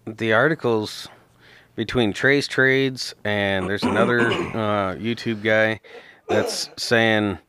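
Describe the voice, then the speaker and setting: A man co-hosting a podcast with a deep voice, chatting casually and teasing his partner. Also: fairly even intonation, slow pace, bright, forceful tone. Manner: joking, teasing banter. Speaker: podcast co-host. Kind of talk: casual chat about stocks.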